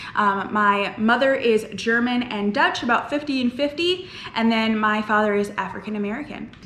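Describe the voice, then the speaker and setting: An energetic woman's voice, fairly high-pitched with ordinary pitch variation, at a moderate pace with hardly any pauses, plus audible room echo and noticeable background noise. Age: 20s. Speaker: lifestyle vlogger. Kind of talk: casual vlog monologue.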